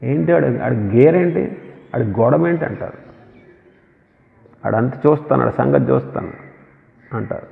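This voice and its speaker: Gravelly preacher in an echoey hall. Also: male voice, mid-range voice, expressive, moderate pace, pauses often. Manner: emphatic, asks the listeners questions. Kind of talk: sermon. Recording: echoey hall on a tinny phone-like line.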